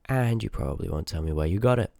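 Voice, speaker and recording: A very low-voiced, gravelly sorcerer, acted by a man, talks straight to the listener in a fantasy audio roleplay. He is rude and curious, full of sarcastic banter and muttered asides. The sound is close and very dry, with no room around it. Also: lively intonation, quick pace, mellow, no room sound. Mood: suspicious, sardonic. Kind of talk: ASMR audio roleplay acting, addressed to the listener.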